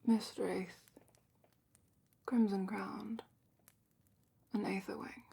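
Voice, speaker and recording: A woman playing a calm, thoughtful dragon curator in a whispered ASMR fantasy roleplay, speaking softly and breathily with measured, musing pauses. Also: mid-range voice, gravelly, breathy edge, full character voice. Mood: musing, considering.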